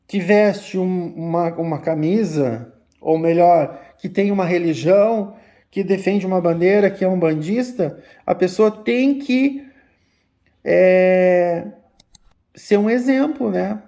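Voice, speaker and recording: A man, an umbanda teacher giving a slow, repetitive religious talk to his viewers. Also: high-pitched, mellow. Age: 50s. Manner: slow, repetitive, addressing listeners as "gente". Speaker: umbanda spiritual teacher and channel host.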